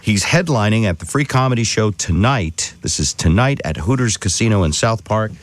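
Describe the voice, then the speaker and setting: Lively low-voiced male radio host. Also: moderate pace. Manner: wry, teasing. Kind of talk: morning radio talk. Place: radio studio.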